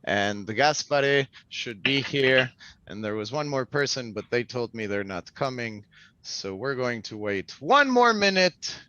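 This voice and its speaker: A man from Mexico hosting a spoken English class as a language trainer, giving deliberate, instructive prompts. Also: mid-range voice, very animated, bright, forceful tone, no room sound, lo-fi sound. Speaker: language trainer, podcast host.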